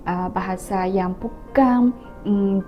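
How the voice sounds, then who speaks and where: A young woman from China with a Chinese accent, a native Mandarin speaker, answering interview questions as a student in halting foreigner's Indonesian. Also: mid-range voice, dull audio, faint music behind. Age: young adult. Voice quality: difficulty rolling the R. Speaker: student guest.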